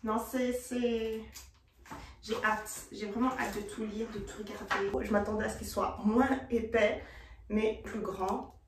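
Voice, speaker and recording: A woman's voice: medium pitch, measured pace, distant mic. Chatty young woman vlogging, roomy echo. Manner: chatty, excitable, mixes in English slang. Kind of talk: casual vlog chat.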